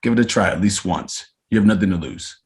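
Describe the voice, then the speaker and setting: Podcast guest, man in his 30s from Arizona, very low voice, thoughtful and hesitant delivery. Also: a little mellow, breathy edge. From Arizona, USA. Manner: reflective, unhurried, frequent hesitations. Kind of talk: casual interview chat.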